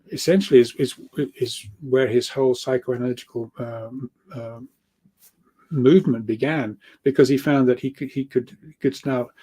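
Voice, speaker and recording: A man with a soft-edged, mellow voice at a middling pitch talks informally, like a guest speaker explaining his research. He rambles and halts, doubling back on words as he works through each idea. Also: breathy edge. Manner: halting, repeats words, rambling, chuckles often. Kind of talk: informal spoken explanation of spiritual ideas.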